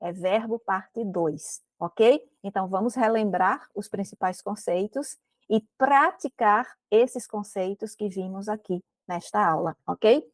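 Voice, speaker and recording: A woman's voice: mid-range voice, takes it slowly, dry recording. A woman teacher with a Brazilian Portuguese accent, giving a recorded grammar lesson and explaining step by step, often checking with "né?" and "ok?".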